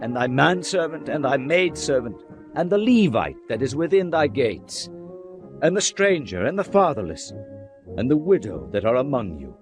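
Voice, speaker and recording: Male narrator for a dramatized Bible reading, mid-pitched, solemn and measured, music under the voice. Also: very animated. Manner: solemn, measured recitation of archaic scripture. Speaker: scripture narrator. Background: background music.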